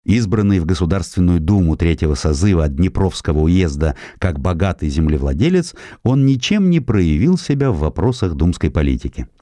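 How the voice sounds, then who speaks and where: A man narrating a historical essay as an audiobook, in a measured, expressive storytelling manner. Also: low voice, dry recording, clean studio sound.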